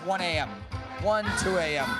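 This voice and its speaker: Upbeat, high-voiced man over loud music. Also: moderate pace. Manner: upbeat, animated storytelling. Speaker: cruise director. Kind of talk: casual live interview.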